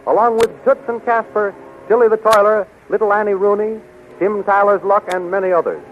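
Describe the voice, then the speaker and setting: Male vintage serial narrator, declamatory delivery, phone-like sound with faint noise. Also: high-pitched. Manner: dramatic, declamatory. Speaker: announcer and narrator. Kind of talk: 1930s radio serial announcing. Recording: tinny, noisy 1930s radio recording.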